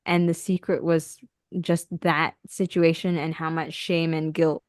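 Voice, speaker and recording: A woman with a fairly low voice talks through a podcast chat, thoughtful and chatty. The sound is dry and close, with no room echo. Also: flat delivery, measured pace, smooth. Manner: thoughtful, chatty, many fillers. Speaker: podcast co-host, healer. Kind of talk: casual conversation.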